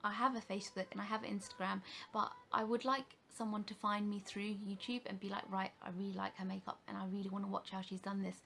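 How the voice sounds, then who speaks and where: A woman's voice: medium pitch, creaky, a bit bright, a little hiss or hum. A woman in her thirties from the UK, a makeup vlogger chatting to camera in a rambling way with many fillers and restarts. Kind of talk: casual rambling talk to camera.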